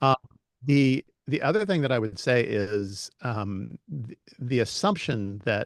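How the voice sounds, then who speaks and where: Recorded with a dry, close sound and no echo, a man speaks in an ordinary speaking voice at a medium pitch, going at a fairly slow pace with lively intonation. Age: 60s. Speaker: voice-over artist. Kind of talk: casual panel discussion.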